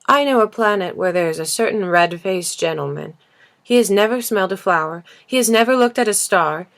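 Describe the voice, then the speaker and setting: A woman's voice: medium pitch, expressive, fairly quick, gravelly. A woman voicing an earnest, passionate little boy prince in a storybook reading, speaking insistently and emphatically. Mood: angry, scornful. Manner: insistent, emphatic, rhetorical questioning. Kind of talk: storybook character voice in audiobook reading.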